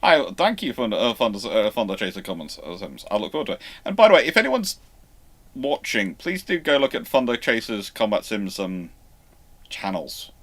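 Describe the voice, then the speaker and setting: A man hosting an informal live question-and-answer stream, explaining in a rambling, halting way with repeated false starts. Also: lowish voice, sing-song, fairly bright tone. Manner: over-careful emphasis on some words. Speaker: host of live naval history Q&A stream.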